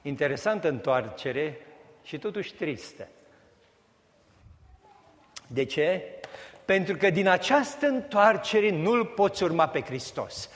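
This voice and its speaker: A man's voice: a little high, expressive, long pauses. A man preaching a sermon, building emphatic repeated phrases and raising his voice at the peaks. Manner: emphatic preaching that rises to raised repetitions. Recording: long hall reverb.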